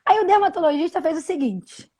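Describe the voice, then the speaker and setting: Woman in her 30s, pretty high voice, keeps restarting her sentences, home video call. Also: animated, warm tone. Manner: halting, many restarts and repeated words. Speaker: interview guest. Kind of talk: personal story on a live video call.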